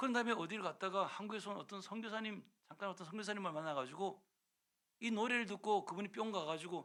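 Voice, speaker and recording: In a raised, projected voice, the speaker delivers a bright, sharp, animated tone at a very fast pace with ordinary pitch variation. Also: man. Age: 60s. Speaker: missionary preacher. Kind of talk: sermon with testimony.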